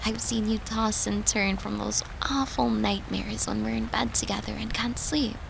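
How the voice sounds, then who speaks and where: A woman playing a devoted, tender girlfriend who soothes her lover in a soft, affectionate, intimate roleplay. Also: medium pitch, expressive, gravelly, background noise. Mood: gentle, consoling. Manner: soft, soothing, affectionate, unhurried, at times whispering. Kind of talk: intimate roleplay audio, comforting.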